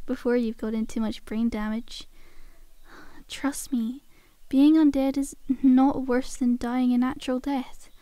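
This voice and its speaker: Woman playing a high-voiced, chatty zombie girl. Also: warm tone, no echo, close to an everyday voice. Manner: casual, teasing, conversational with sighs and hesitations. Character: chatty, cajoling undead zombie girl, cheeky and falsely friendly. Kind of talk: ASMR roleplay monologue.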